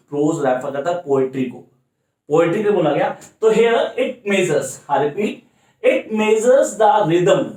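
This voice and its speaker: A man with a fairly high voice giving an exam-prep lecture. He asks questions as if from his students and answers them himself, slowing down to repeat key phrases. The recording carries a clear room echo. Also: a little mellow. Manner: repeats key English phrases slowly for emphasis. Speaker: teacher.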